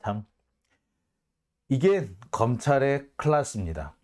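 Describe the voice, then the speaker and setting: A man's voice: medium pitch, sing-song, slow, a little mellow. A male host giving casual commentary on a news report, sarcastic and indignant, firing off mocking rhetorical questions.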